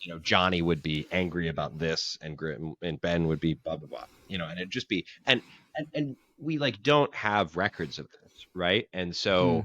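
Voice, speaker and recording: A very deep, low-pitched man with an upstate New York accent, bright and sharp in tone, lively in intonation, at a moderate pace. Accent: upstate New York American. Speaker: comics podcast co-host. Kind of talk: casual discussion.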